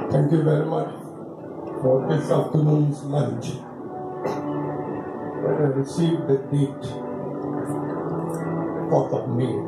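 Through loud background noise and audible room echo, a man talks at a very slow pace with long, frequent pauses. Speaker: retired school principal, law teacher. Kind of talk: after-lunch speech to former students. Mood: humorous, reminiscing. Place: hall.

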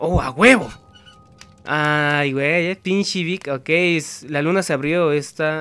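A man's fairly high voice with a Mexican accent, a bright, sharp tone, ordinary pitch variation and a very slow pace. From Mexico. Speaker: gaming youtuber. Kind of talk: let's play commentary. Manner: animated. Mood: scared, joking, swearing.

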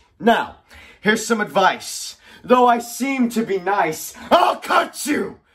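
Shouting in a put-on character voice, a man delivers pompous, menacing lines at a fairly slow pace. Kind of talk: comic stage overacting. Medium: solo performance. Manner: suddenly menacing threats; pompous, flamboyant, melodramatic.

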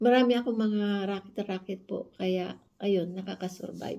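A woman at medium pitch, dark and mellow in tone, at a fairly slow pace with monotone, flat intonation. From Philippines. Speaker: vlogger and domestic worker; vlogger. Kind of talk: personal vlog testimony. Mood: reflective, earnest. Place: home room. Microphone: phone near.

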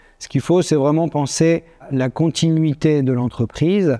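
A man speaks at a moderate pace, and the background is quiet. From France, Charente (Cognac region); France. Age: 40s. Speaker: cognac producer and winegrower. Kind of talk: interview. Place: shop. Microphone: lapel.

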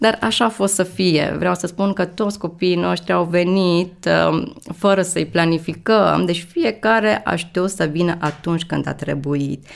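A woman with a fairly low pitch and vocal fry talks at a fairly slow pace. Her pitch variation is ordinary. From Romania, Baia Mare (Maramureș). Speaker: university lecturer and engineer. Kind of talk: podcast interview. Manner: calm, gentle.

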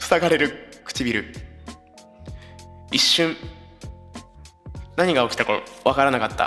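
A man's fairly high-pitched, very slow speech in a Kansai accent, with long, frequent pauses and faint music in the background. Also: ordinary pitch variation. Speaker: virtual streamer. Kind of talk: dramatic reading of a fan-written romance story. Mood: playful, embarrassed dramatic.

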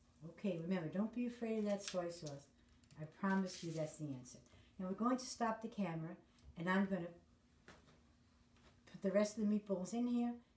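A woman talks at a fairly quick pace but leaves long, frequent pauses, somewhat breathy, with ordinary pitch variation and big swings in loudness. Audible room echo and light background noise fill the recording. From US, Italian-American family. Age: 70s. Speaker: home cook. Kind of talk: cooking tutorial. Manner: chatty, humorous. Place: kitchen. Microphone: camera far.

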